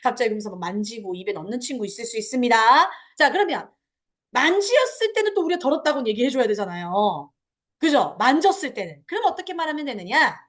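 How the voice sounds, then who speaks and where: A woman's voice: a little high, very animated, quick pace. A woman giving a parent education lecture, talking to parents and acting out little dialogues with children.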